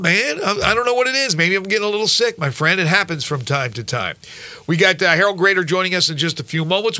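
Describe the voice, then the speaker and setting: A man's voice: a little high, pushed and bright, no room sound. A man hosting a sports radio morning show, chatty and upbeat, sounding a little stuffy from a cold. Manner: upbeat and chatty, reads ads and weather. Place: radio studio.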